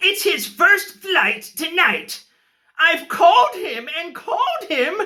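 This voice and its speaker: An extremely high-pitched put-on character voice at a very slow pace. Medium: read story. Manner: hesitant, fussy.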